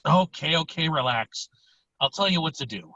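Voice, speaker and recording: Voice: medium pitch, lively intonation, moderate pace, pushed and bright, no echo. A performer voicing a laid-back, spaced-out young slacker guy in an amateur script read, talking in slangy phrases. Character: wasted, laid-back slacker ski buddy, young man. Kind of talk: amateur virtual table read of a film script. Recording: dull, lo-fi online call.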